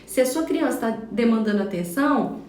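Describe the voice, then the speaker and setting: A woman's voice: a little high, lively intonation, a little fast, a little mellow, reverberant. A woman with a Brazilian Portuguese accent, a parenting educator giving a live talk from home, explaining and checking in with viewers. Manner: explanatory, addresses viewers directly, frequent "tá?" check-ins. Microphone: phone for a social media live.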